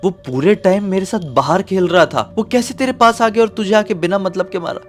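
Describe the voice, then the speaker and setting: A man's voice: high voice, brisk, soft background music, voice pushed up, natural voice. Man doing an agitated schoolboy. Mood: baffled. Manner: agitated, demanding. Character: schoolboy, agitated older brother.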